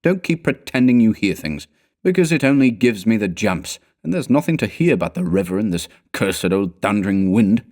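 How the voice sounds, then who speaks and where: A blustering male adventurer from a storybook , read by a man. He is stubbornly rational and dismissive, with nerves showing through his impatience. His voice sits fairly low for a man. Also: sing-song, moderate pace, darkish tone. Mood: impatient, angry. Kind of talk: storybook character dialogue.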